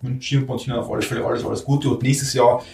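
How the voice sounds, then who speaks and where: A man's voice: medium pitch, flat delivery, rapid-fire, vocal fry, darkish tone. Chatty male podcast host, roomy distant sound. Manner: chatty, with stumbles and repeated words. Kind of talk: casual interview talk.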